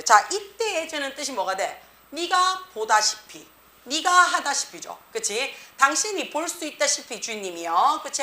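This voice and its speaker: A woman teaching an English grammar class, checking in with the students after nearly every phrase. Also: fairly high pitch. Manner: tag question after nearly every phrase, lively reading. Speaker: English teacher at a cram school. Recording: echoey room.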